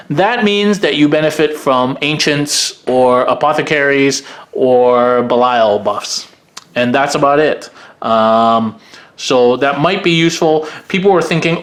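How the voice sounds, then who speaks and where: A man's voice: mid-range voice, a bit bright. A man hosting a tabletop gaming channel, reading through rules in casual commentary and frankly giving his opinions as he thinks aloud. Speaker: host of a tabletop wargaming channel.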